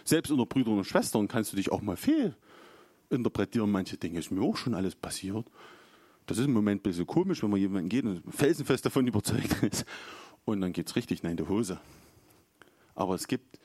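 Chatty preacher, dry close sound. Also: male voice, on the low side, very animated, fairly quick, a little mellow, breathy edge, no echo. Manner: chatty, storytelling, acts out quotes. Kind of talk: informal sermon.

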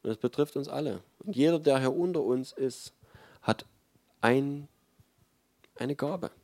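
Mellow-voiced German man preaching. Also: medium pitch, measured pace, no room sound. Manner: conversational preaching, emphatic, with frequent fillers. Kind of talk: sermon.

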